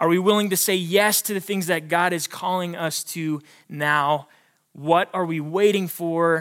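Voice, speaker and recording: At a fairly slow pace, a man with a high pitch speaks with fairly even intonation. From Montana. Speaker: youth pastor. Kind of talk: sermon.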